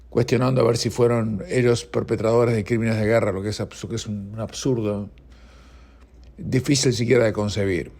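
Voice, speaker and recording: A man's voice: on the low side, darkish tone. A middle-aged man with an Argentine Spanish accent, hosting an opinionated news commentary show and speaking emphatically and indignantly, with frequent restarts. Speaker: political commentary host.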